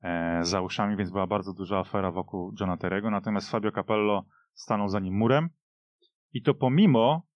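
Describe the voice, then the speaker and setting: Low-voiced male pundit, slightly dull sound. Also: brisk, dry recording. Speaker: football pundit. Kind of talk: casual opinionated sports discussion. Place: radio studio. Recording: dull, muffled studio audio.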